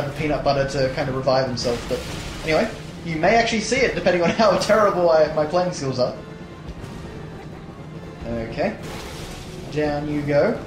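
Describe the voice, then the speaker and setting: Hoarse young man narrating gameplay. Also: a little high, reverberant, rough recording. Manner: rambling, many fillers and restarts. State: hoarse, tired voice. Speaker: let's play host. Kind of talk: casual gameplay commentary. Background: game music.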